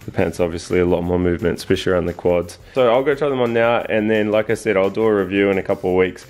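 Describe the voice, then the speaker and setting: A man's voice: low voice, quick pace, soft background music. Chatty man in an echoey room. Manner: chatty, relaxed, many fillers. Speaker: vlogger. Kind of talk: casual product review. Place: living room indoors.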